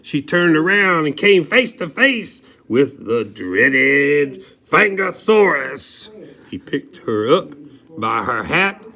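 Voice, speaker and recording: A man's voice: fairly high pitch, sing-song, slow, sharp tone. A man reading a children's story aloud in a dramatic way, drawing out key words and sometimes correcting himself.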